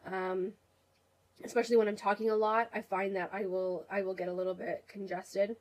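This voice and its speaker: A woman's voice: mid-range voice, level tone, normal speed, darkish tone. A young woman with a head cold chats to her camera about her makeup, her voice nasal and congested. She rambles in a friendly, casual way, full of ums and restarts, speaking in a middle-range voice. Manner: chatty, rambling, many fillers. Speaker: beauty vlogger.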